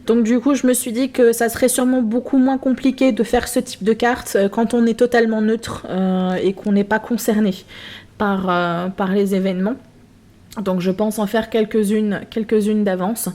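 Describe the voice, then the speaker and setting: A woman's voice: mid-range voice, fairly even intonation, moderate pace, dark tone. Chatty woman, hesitant rambling vlog. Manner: self-mocking. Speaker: craft vlogger. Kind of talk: casual chat to camera. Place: home craft room. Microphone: built-in camera mic.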